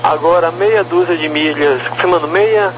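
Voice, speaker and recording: A man's voice: fairly high pitch, normal speed, dull audio. A man working as an air traffic controller, giving instructions to aircraft over the radio. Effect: aviation radio. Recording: noisy radio channel with hum.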